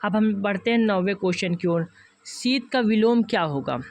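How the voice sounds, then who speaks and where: A man's voice: high voice, normal speed. A man teaching an online exam-prep class with a north Indian Hindi accent, calling his viewers friends and going through each option patiently and repeatedly.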